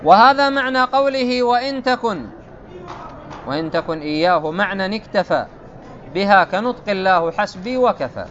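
A man with a notably high voice leads a grammar lesson, laying out each rule in turn and stopping to quiz his students. The recording is dull and lo-fi. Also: animated, moderate pace, fairly bright tone, a little hiss or hum. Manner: explains step by step, quizzes students with repeated checks. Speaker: grammar teacher. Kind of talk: classical Arabic grammar lesson.

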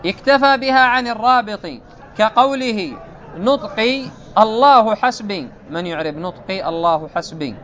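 A man with a notably high voice leads a grammar lesson, laying out each rule in turn and stopping to quiz his students. The recording is dull and lo-fi. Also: expressive, moderate pace, a bit bright. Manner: explains step by step, quizzes students with repeated checks. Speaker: grammar teacher. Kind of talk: classical Arabic grammar lesson.

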